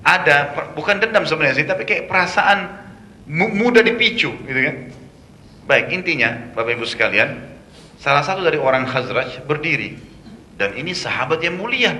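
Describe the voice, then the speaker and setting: A man preaches a storytelling sermon with a bright, forceful voice. He retells events in a lively way, acts out the speakers he quotes, and drops casual asides. The room is echoey, with faint background noise. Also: fairly high pitch. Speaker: Islamic preacher.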